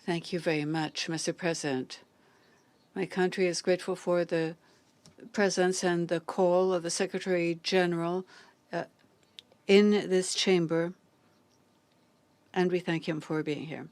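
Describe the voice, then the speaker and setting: A woman simultaneously interpreting formal diplomatic speeches, measured and deliberate, pausing on hesitant fillers. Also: on the low side, fairly even intonation, darkish tone, no echo. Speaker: conference interpreter.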